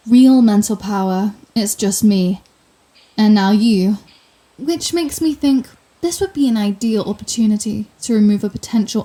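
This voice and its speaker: Woman as female supervillain for ASMR audio drama: soft-edged mellow tone, mid pitch, sarcastic, menacing, secretly caring. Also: natural voice. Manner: taunting, theatrical, sarcastic. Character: sardonic female telepathic supervillain, menacing yet secretly compassionate.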